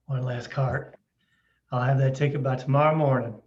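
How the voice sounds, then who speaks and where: A man's voice: medium pitch, fairly even intonation, slow, natural voice. Male coal miner, loyal friend, acted at a table read: plain, supportive, muffled and echoey sound. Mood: reassuring. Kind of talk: dramatic script table read. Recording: echoey, dull, far from mic.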